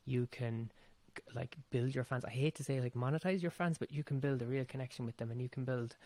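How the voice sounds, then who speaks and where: A man's voice: mid-range voice, brisk, darkish tone, no echo. A man with an Irish accent chatting casually and self-deprecatingly as a guest music producer on a podcast.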